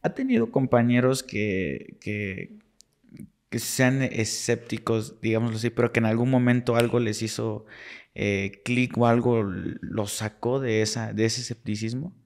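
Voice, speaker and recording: Man asking slow, halting questions. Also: mid-range voice, creaky, a little mellow. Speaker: podcast host. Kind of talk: interviewing.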